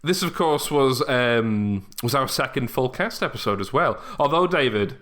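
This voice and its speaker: Male podcast host, middle-pitched. Casual, bantering, self-deprecating chat. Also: animated, normal speed, a bit bright. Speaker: podcast host and audio drama creator.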